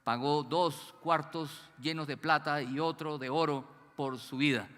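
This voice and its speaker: A man's voice: a little high, steady tone, measured pace, a bit bright, big-room sound. A man preaching a sermon as pastor, asking the congregation to call out the missing words. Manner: asks the congregation to fill in words. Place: church hall.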